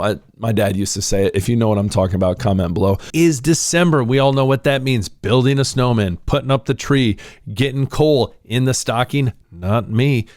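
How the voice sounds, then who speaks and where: Hoarse, excitable New sports host. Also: male voice, medium pitch, dry recording, clean studio sound. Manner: excitable, rambling, addresses viewers as ladies and gentlemen. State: hoarse, getting over a cold. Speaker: sports talk show host. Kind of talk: casual solo sports commentary.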